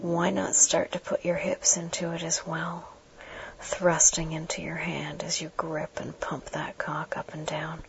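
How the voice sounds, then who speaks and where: Whispered role-play: woman, murmuring right at the ear, very monotone and unhurried, on a dull, noisy recording. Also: low-pitched. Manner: slow, hushed, instructing the listener directly. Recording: dull muffled audio with clear background noise.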